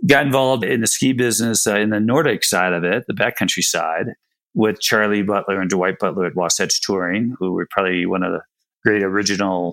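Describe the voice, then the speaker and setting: A man's plain, everyday voice in an American accent, fairly low in pitch and at a moderate pace. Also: very clean recording, silent background. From US Midwest, Chicago. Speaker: trail foundation director. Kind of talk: casual interview chat.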